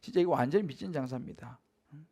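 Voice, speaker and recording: A man's voice: on the high side, quick pace, dark tone, husky. A middle-aged male pastor giving a Wednesday evening sermon in a church, talking conversationally, often asking the congregation to agree and acting out haggling voices. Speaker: senior pastor. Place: church sanctuary.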